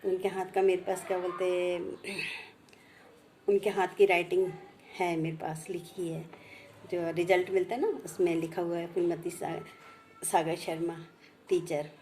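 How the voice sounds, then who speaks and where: Woman telling old family memories, mellow lowish voice, says everything twice, faint hiss behind. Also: flat delivery. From India. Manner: slow, heartfelt, repeats each phrase twice. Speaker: vlogger sharing memories. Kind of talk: personal reminiscence.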